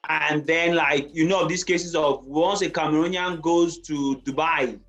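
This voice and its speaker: A man hosting a podcast conversation, agreeing often and making his points slowly and deliberately. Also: fairly high pitch, fairly even intonation, a bit bright, soft background music. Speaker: podcast host.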